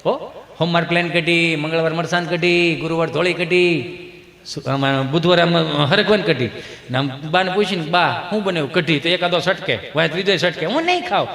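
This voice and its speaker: A man's voice: a little high, moderate pace. A man telling comic stories on stage, acting out the people in them. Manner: animated storyteller, acting out voices. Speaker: folk comedian. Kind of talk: live stand-up storytelling. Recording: echoey hall with live reverb.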